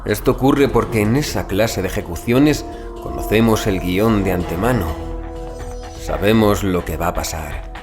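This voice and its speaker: A man's voice: fairly low pitch, normal speed, over music. A man reading a first-person horror story as an audiobook narrator, in a grave, theatrical delivery.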